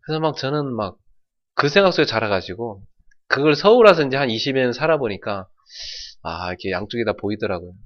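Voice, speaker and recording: A middle-aged man from North Jeolla preaching a sermon as pastor, telling folksy stories and shouting out imitations. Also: medium pitch, expressive, a little fast, highs cut off. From North Jeolla, South Korea.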